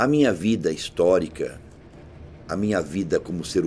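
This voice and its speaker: Fairly slow in pace, a man speaks in a dark, mellow tone. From Brazil, São Paulo. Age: 60s. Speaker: spiritist commentator. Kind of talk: personal testimony address.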